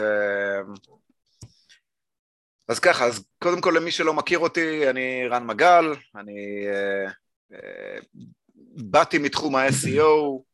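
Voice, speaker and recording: Halting Israeli man in his forties. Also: mid-range voice, a bit bright. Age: 40s. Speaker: podcast guest, marketing consultant. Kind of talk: casual explanatory chat.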